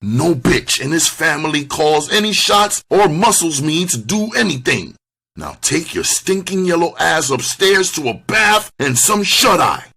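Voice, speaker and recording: A man's voice: deep voice, sing-song, a little slow, gravelly, pushed and bright, slightly rough, heavily acted. A man voicing a cold, menacing pimp who gives hard, commanding orders in a dramatized crime story. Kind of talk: dramatized first-person crime narration.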